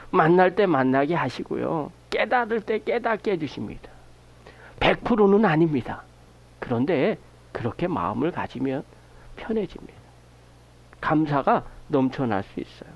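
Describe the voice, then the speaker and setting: A man's voice: fairly high pitch, highs cut off. A man preaching a sermon as pastor, asking the congregation rhetorical questions and acting out prayers in his own voice. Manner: animated preaching, acts out prayers and quoted remarks. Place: church sanctuary.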